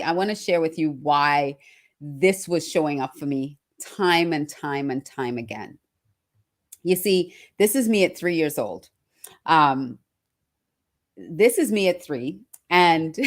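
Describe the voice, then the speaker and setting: A woman from Trinidad and Australia giving a motivational talk as personal storytelling, emphatic and repeating phrases for effect. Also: fairly low pitch. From born in Trinidad, raised in Australia from early childhood. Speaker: personal branding speaker.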